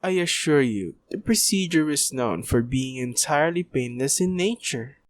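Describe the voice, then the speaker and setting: A man's voice: mid-range voice, lively intonation, normal speed, no echo, natural voice. A man playing a formal, pompous doctor in an audio roleplay, speaking in long-worded clinical phrases. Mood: assured, formal. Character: formal, pompous male doctor, smoothly evasive scientist. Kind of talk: ASMR audio roleplay acting.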